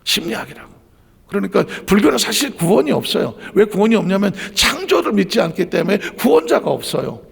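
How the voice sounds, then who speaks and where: A man preaching a sermon as pastor, swinging between loud emphasis and hushed quiet passages. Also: high voice, very animated, a little fast, vocal fry, slightly rough, long reverb tail.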